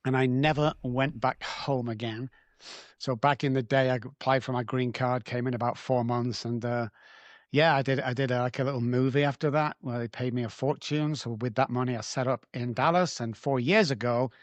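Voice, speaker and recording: A man's voice: medium pitch, fairly even intonation, normal speed, no room sound. A man in his sixties from Manchester with a northern English accent, chatting as a podcast guest in a blunt, joking, cocky way. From England. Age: 60s. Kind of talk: casual podcast chat.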